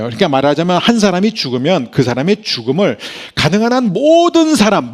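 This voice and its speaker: A middle-aged male pastor preaching a sermon, swinging from hushed whispers to loud, emphatic bursts. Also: fairly high pitch.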